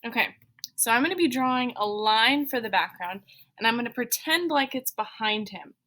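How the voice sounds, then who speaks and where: Slightly high with lively intonation, her voice moves at a normal speed and has a sharp edge. The woman, an elementary school teacher, takes children through drawing step by step, encouraging them simply and thinking out loud.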